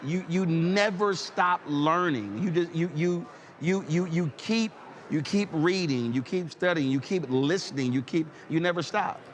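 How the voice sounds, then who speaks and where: A man in his fifties hosting a casual interview, his voice set a bit high with a faint hum of background noise. He tells stories with animated energy, looping "I said" as he plays out both sides of each exchange. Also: measured pace. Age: 50s. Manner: animated storyteller, repeats "I said" while acting out exchanges. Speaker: host.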